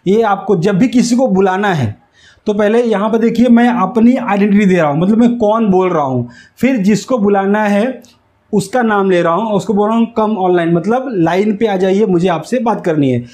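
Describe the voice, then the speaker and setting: A man's voice: sits high, normal speed, darkish tone. A man giving an instructional lesson, explaining step by step and repeating key phrases. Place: small indoor room with whiteboard. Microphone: lapel mic.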